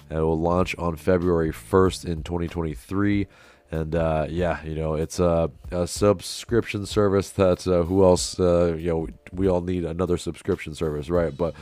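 A young man, hoarse from a sore throat, hosting a casual solo sports podcast with lots of fillers and restarts. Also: deep voice, a little mellow. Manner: rambling, many fillers and restarts. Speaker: podcast host.

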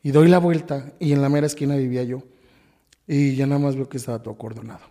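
Speaking with a Mexican Spanish accent, this male podcast guest shares a painful story from his life, stumbling, restarting and repeating himself often. His pitch sits in the middle with fairly even intonation and a dark tone, recorded in a large hall.

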